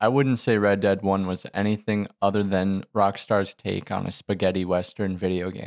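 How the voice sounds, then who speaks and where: A man with a plain, everyday voice talks at a moderate pace with hardly any pauses. The recording is very clean, with a silent background. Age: 20s. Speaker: podcast co-host. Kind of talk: casual chat.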